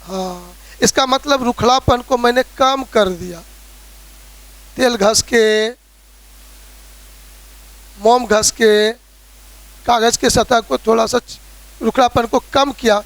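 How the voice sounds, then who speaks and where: A man with a strikingly high voice gives a physics lecture in Hindi with a Bihari accent. He explains in a conversational way, uses homely examples and keeps checking that his students are following. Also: slow, pauses often, a bit bright. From Bihar, India. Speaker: physics teacher. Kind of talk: classroom lecture.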